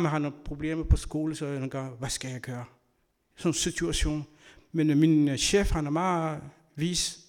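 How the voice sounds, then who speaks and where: A man giving an earnest sermon, telling personal stories and moving between loud and soft delivery. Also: fairly high pitch. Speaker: church speaker; school worker.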